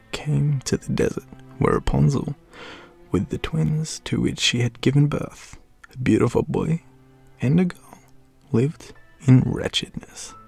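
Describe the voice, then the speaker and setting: An Australian man with a deep, gravelly voice, telling a story to listeners. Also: warm tone. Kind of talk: dramatic storybook narration.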